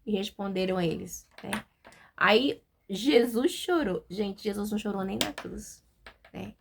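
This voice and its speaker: A woman with a Brazilian Portuguese accent giving an informal devotional Bible talk, chatty, with many fillers and tag questions, and reading verses slowly. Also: medium pitch, level tone, vocal fry, slight background noise. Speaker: Bible teacher.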